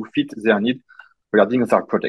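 A man with a French accent talks at medium pitch. His pitch swings very widely. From France. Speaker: tech advocate. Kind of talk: conference talk. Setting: stage with audience.

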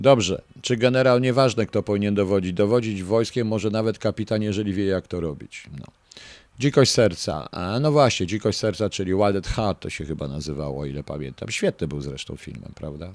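In a normal speaking voice, a man with a fairly low pitch talks at a fairly quick pace with lively intonation and big swings in loudness, the sound dry with no echo. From Poland. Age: 60s. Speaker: online political commentator. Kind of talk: livestream monologue answering viewer comments. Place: home room. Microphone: handheld.

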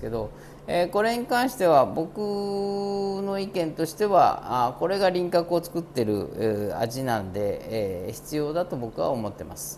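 Over light background noise, a man speaks at a high pitch with very wide pitch swings. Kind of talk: tutorial. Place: shop.

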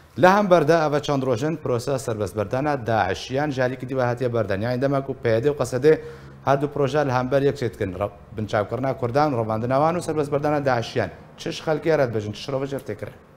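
A man speaks at a fairly quick pace in a medium pitch, with ordinary pitch variation. There is noticeable background noise. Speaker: news presenter. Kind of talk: news reading.

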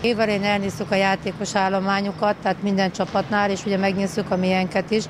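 With hardly any pauses, a woman speaks in a flat monotone at very even loudness, the sound dry with no echo and noticeable background noise behind her. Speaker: basketball coach. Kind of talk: interview. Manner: halting.

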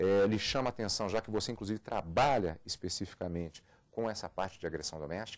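A man's voice against a quiet background. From Brasília, Brazil. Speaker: TV literary program host. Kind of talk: interview. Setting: studio in a library. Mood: calm, measured. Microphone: lapel.

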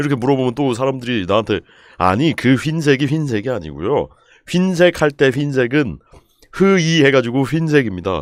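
A man's animated, medium-pitched voice with lively intonation at a moderate pace. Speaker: streamer. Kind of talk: live stream chat.

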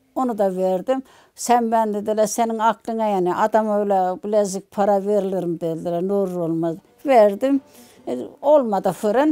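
A woman talks at a moderate pace with ordinary pitch variation. Faint music plays in the background. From Burdur, Turkey. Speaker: village wife telling her story. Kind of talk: interview answer. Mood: warm, smiling, reminiscing. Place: home room. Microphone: lapel.

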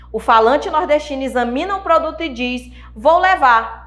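The voice moves through very wide pitch swings. Music plays in the background. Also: woman. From Brazil, Maranhão (Imperatriz). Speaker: schoolteacher. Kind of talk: lecture. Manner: warm, friendly. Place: studio. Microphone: lapel.

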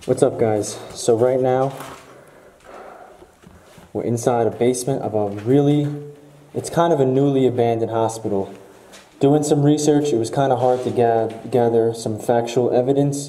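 A man speaks with fairly even intonation and long, frequent pauses. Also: moderate pace. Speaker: urban explorer vlogger. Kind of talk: casual vlog chat. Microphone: phone near.

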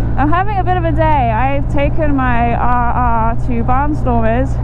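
Speaking at a fairly slow pace, a woman is heard in a dry recording with no echo and noticeable background noise. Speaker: motorcycle vlogger. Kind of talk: casual vlog chat. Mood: cheerful, chatty. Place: motorbike. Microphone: helmet.

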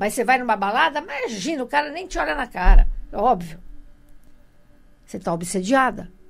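A woman talks in a fairly high voice with very wide pitch swings. Her loudness swings a lot, and she pauses long and often. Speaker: spiritual medium; radio show host. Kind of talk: casual talk show chat. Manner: fast. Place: studio. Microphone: studio mic.

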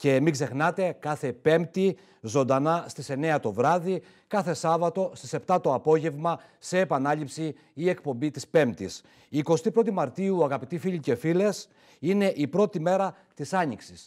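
The speaker goes at a fairly slow pace with ordinary pitch variation over a quiet background. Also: man. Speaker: TV presenter. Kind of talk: broadcast show introduction. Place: studio. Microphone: lapel.

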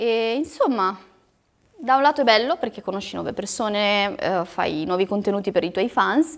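An unremarkable speaking voice with lively intonation at a moderate pace over a quiet background. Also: woman. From Romania. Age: 20s. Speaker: content creator. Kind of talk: casual chat. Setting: studio. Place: studio. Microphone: lapel.

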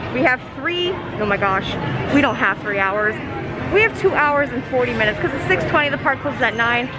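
Over crowd noise in the background, a woman speaks at a fairly quick pace, the sound dry with no echo. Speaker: travel vlogger. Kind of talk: casual vlog chat. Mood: upbeat, mildly exasperated. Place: street. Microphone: phone near.

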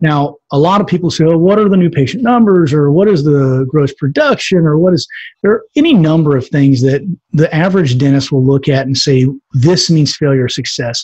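With an American accent, a man talks in an ordinary speaking voice, fairly high in pitch with ordinary pitch variation. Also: fairly quick pace. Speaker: dentist podcast host. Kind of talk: interview. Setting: studio.

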